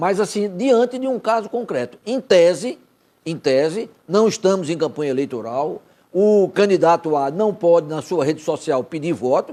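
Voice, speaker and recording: A man's high-pitched, dark, mellow voice with lively intonation. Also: moderate pace. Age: 60s. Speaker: electoral law attorney. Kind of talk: TV interview.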